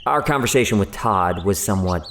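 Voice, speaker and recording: An actor playing an earnest, wary scientist from a secretive agency in an audio drama, formal and explanatory. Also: male voice, fairly low pitch, lively intonation, a little fast, a bit bright. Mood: wary, hesitant.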